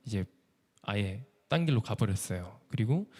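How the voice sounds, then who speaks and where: A man giving an emotional church testimony as a missionary violinist, telling his story with animated feeling. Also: on the low side, moderate pace, husky. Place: church sanctuary. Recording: echoey church hall.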